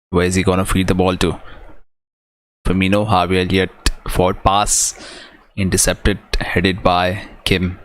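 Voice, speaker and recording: On a low-quality recording, a very low-voiced man with a South Asian accent hosts a live football watch-along. He calls the action in brief, clipped fragments and adds casual remarks, his tone a bit bright.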